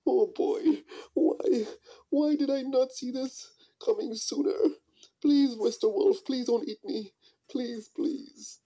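A puppeteer voicing a mischievous, excitable young shepherd boy with exaggerated delivery in an amateur puppet show. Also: high-pitched, slow pace, gravelly, heavily acted. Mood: pleading. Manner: exaggerated, yelping when alarmed. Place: small indoor room, behind puppet curtain.

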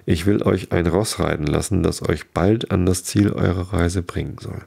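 A man voicing a spiteful old witch with fiery eyes, menacing and shrill in a fairy-tale reading. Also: steady tone, normal speed, gravelly, warm tone, breathy edge, full character voice. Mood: commanding. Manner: shrieking, menacing.

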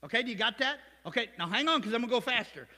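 A male pastor with an American Midwest accent preaches in a church sanctuary, his voice pitched high for a man. He is animated, cracking jokes and asides to the congregation. The sound carries a long hall reverb. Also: racing. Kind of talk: sermon.

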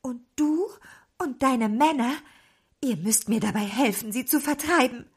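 An actress playing a small, feisty apple witch in a children's audio drama, husky and dramatic. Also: a little slow, full character voice. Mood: indignant. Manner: dramatic, shifting between hushed and shrill.

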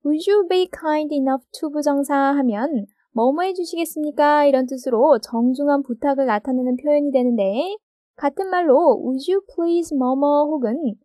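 A woman's voice: sits high, warm tone, dry recording, clean studio sound. A woman teaching English grammar and pronunciation in a recorded video lesson, explaining step by step and checking understanding with rhetorical questions.

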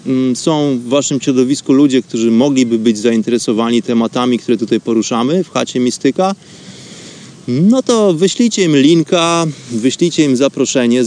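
A man hosting a spiritual radio show, speaking in an informal, reflective monologue with wordy, measured phrasing. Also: medium pitch, darkish tone.

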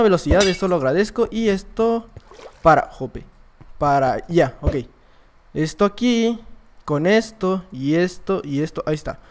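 High-voiced excitable young gamer man. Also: noisy background. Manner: excitable, swears and yelps when things go wrong. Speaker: gaming video creator. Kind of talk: live gameplay commentary.

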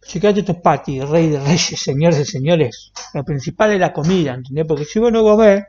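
A man's voice: a little high, animated, fairly quick, darkish tone, highs cut off, slight background noise. A young man with a Rioplatense Spanish accent, streaming a roleplay game in a brash, joking, swear-heavy manner. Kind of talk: casual gameplay roleplay stream.

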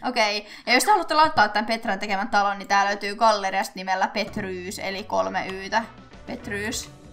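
A woman's voice: medium pitch, fairly bright tone, soft background music. A young woman casually chatting her way through a Let's Play, giggling and talking to the characters on screen. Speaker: gaming YouTuber.

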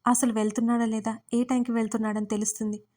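A woman's voice: a little high, level tone, quick pace, a little mellow, close to an everyday voice. A woman voicing a worried, caring young male friend in an audio story, soothing and concerned. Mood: reassuring.

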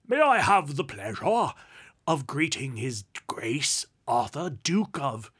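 A man voicing a robust, obsequious gentleman, flustered, wordy and deferential, in a storybook reading. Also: medium pitch, very animated, takes it slowly, husky, exaggerated voice. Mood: eager.

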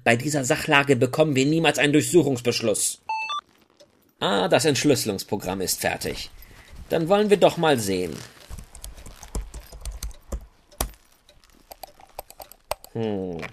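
A man's voice: medium pitch, lively intonation, normal speed, slight background noise, natural voice. A man playing a cautious, grumbling chief inspector in a German crime audio drama, official and a little hesitant. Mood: objecting.

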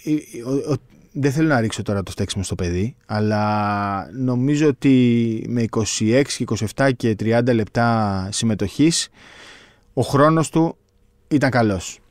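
A man's voice: mid-range voice, a little mellow, dry recording, studio quality. A man co-hosting a casual sports podcast, speaking with frequent hesitations, fillers and restarts. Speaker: sports journalist co-host.

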